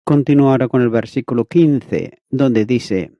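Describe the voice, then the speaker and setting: A man reading an expository Bible commentary in a measured, methodical way, as if teaching from a prepared text. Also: medium pitch, no echo. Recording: dull, lo-fi, dry recording.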